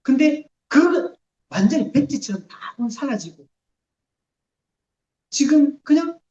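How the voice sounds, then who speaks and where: A woman's voice: high-pitched, lively intonation, takes it slowly, warm tone. A woman preacher giving a sermon in a church, in a casual, confessional way with many filler words. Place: church sanctuary. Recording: roomy church hall, distant mic, dull sound.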